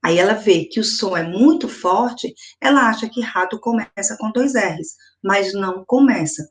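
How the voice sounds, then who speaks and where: A woman's voice: medium pitch, animated. Brazilian woman teaching first graders. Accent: Brazilian Portuguese. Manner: slow, emphatic, repeats example words. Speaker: primary school teacher. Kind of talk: video lesson for first graders.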